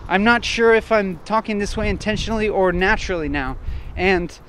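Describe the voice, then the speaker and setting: A man walking outdoors and thinking aloud in short, broken phrases, at times loud and assertive, almost shouting. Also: sits high, brisk, slight background noise. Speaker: vlogger. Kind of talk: reflective walking monologue. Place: outdoors on a street while walking.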